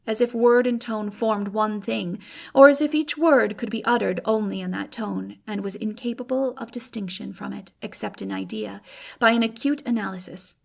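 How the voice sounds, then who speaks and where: A woman giving a dramatic, literary audiobook narration in a measured, formal and expressive way. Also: medium pitch, gravelly.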